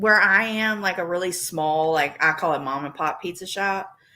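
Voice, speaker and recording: With a strong Virginia accent, a woman speaks in a bright, sharp tone. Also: hardly any pauses, big swings in loudness. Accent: thick Southern Virginia. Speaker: podcast guest. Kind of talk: casual chat.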